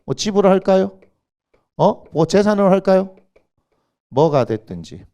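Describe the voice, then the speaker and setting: Male pastor, fairly high voice, animated sermon with rhetorical questions. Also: a little slow. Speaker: senior pastor. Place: church sanctuary.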